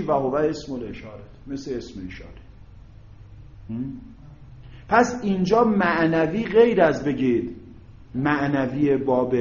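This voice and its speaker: Male teacher, fairly high voice, lecturing and quizzing his class; dull, roomy classroom recording. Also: a little mellow. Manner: explains step by step, prompting students to fill in words; asks rhetorical check questions. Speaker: Arabic grammar teacher.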